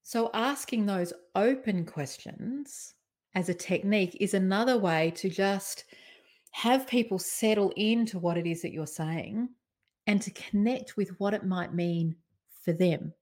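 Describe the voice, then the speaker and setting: A woman giving presentation tips in a conversational, expressive way, varying her tone and emphasis. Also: mid-range voice, measured pace. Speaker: presentation coach. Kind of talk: talking-head presentation tips.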